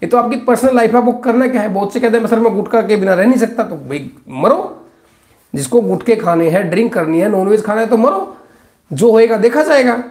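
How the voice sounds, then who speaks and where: A man's voice: sits high, animated, fairly quick, darkish tone. A man in his thirties, a doctor answering viewer questions on a live stream, giving blunt, scolding advice. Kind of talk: live Q&A consultation. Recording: echoey small room.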